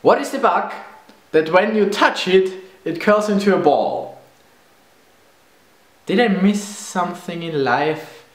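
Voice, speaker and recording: A man's voice: sits high, animated, takes it slowly, pauses often, reverberant. A young man in his twenties with a German accent, playful and self-mocking as he answers questions in a casual video. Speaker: vlogger. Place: room indoors. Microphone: camera at close range.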